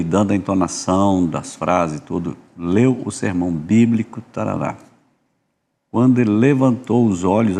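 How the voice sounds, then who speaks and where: Brazilian man, church podcast host, lowish voice, rambling storyteller. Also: a little mellow. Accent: Brazilian Portuguese. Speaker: podcast host, music minister. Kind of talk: casual church podcast chat.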